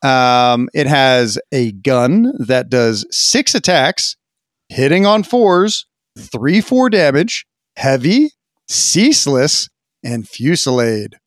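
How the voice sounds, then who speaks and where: A man co-hosting a casual gaming podcast, talking in an animated, sarcastic way. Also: medium pitch, takes it slowly, no room sound, studio quality. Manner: animated, sarcastic, swings loud and quiet. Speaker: podcast co-host.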